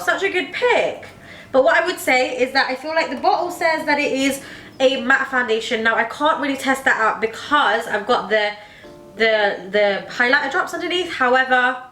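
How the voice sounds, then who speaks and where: A young woman vlogging a makeup tutorial, her voice bright and a little high, with a slight hay-fever wheeze. She chats enthusiastically, scattering fillers. The room adds a noticeable echo around her. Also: a little hiss or hum. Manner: chatty, enthusiastic, many "like" fillers. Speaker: beauty vlogger. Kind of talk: casual makeup tutorial chat. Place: home makeup room, indoors.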